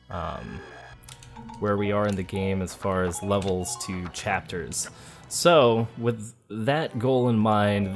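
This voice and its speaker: Over background video game music, a lower-voiced male host offers laid-back gameplay commentary for a let's play. He's an adult and father of a school-age kid, chatting easily and narrating his thinking as he plays.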